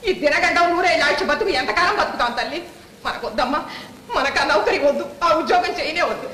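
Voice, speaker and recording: Shrill, fast-scolding anguished mother. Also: bright, forceful tone. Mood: pleading. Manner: wailing, nagging, emphatic. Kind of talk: Telugu film drama acting. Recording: echoey old film soundtrack, faint noise.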